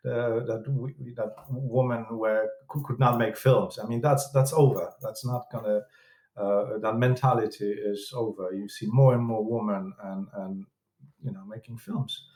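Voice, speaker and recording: A man from Poland with a Polish accent, a film director and producer, talking as a guest in a casual interview, halting and restarting often with broken grammar. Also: on the low side, fairly even intonation, a little mellow, reverberant, rough recording. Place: room in London.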